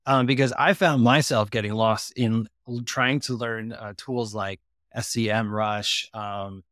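A man's voice: fairly low pitch, steady tone, measured pace, fairly bright tone, no echo, studio quality. A man as a podcast guest, casually explaining a marketing tool with many fillers.

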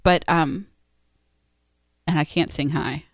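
A woman's voice: low-pitched, steady tone, slow pace, dry recording, clean studio sound. A woman in her late thirties co-hosting a podcast in a casual, conversational style. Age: 30s. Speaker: podcast co-host. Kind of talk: casual married-couple chat.

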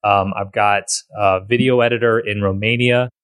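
A man's voice: on the low side, steady tone, normal speed, a bit bright, dry recording. A man hosting a podcast in casual conversation, rambling with frequent restarts and repeated words. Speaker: podcast host.

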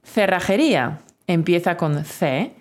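Slow, lively-voiced woman teacher dictating. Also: on the low side. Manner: clear, deliberate dictation. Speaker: Spanish teacher. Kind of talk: spelling dictation lesson.

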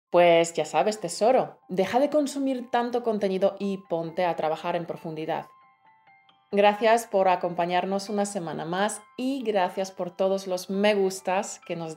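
Woman teaching in clear, deliberate tones. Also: fairly low pitch, a little mellow, soft background music. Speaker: language teacher, co-host. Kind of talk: scripted language lesson.

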